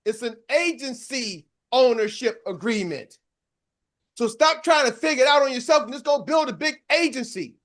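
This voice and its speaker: A very high-pitched man in his sixties, a sales coach, gives an energetic motivational talk at normal speed, calling out to a live audience and repeating slogans.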